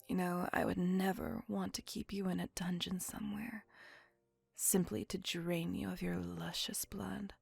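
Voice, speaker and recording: A possessive, centuries-old vampire woman, as a woman voices her murmurs in a breathy, gravelly whisper, slow and unhurried. Her phrasing is formal and old-fashioned, close and dry on the mic, with soft music far behind. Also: on the low side, flat delivery, dry recording, exaggerated voice. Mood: tender. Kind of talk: ASMR roleplay. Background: faint music.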